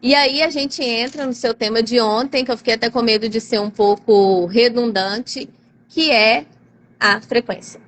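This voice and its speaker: Animated Brazilian woman, higher voice. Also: normal speed. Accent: Brazilian Portuguese. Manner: animated, acts out quoted voices. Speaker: guest speaker. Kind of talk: live-stream conversation. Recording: faint background noise.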